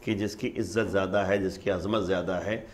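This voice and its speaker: A man's voice: sits low, fairly even intonation. Male religious scholar; patient, step-by-step explainer. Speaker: Islamic scholar. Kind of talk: religious teaching in conversation.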